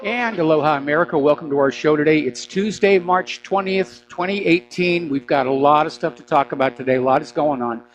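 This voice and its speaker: A man with a slightly high voice hosts a live radio news show while under the weather. He talks in an opinionated, conversational way with halting phrasing, sounding not quite well. There is faint noise and hum on the feed. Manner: feeling sick, under the weather, clearing throat. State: mildly unwell, not sounding normal self. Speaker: radio talk show host.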